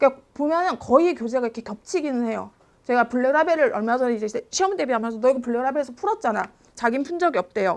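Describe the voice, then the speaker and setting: A woman speaks at a very fast pace. Her high voice swings very widely in pitch. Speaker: math teacher at a cram school. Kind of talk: presentation to parents.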